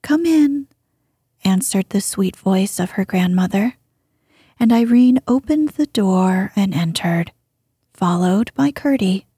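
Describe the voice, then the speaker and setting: A woman narrating a storybook chapter in a hushed, breathy reading voice. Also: mid-range voice, measured pace, no echo, clean studio sound. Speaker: audiobook narrator.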